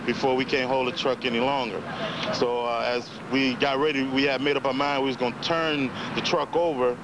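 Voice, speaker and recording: An American man giving a halting, plain-spoken eyewitness account in a television news interview outdoors. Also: medium pitch, fairly even intonation, noisy background.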